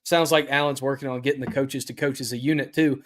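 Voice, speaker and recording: A man co-hosting a casual sports podcast, talking in a measured, agreeable way. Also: mid-range voice, steady tone, a bit bright. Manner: measured, agreeable, many "uh" fillers.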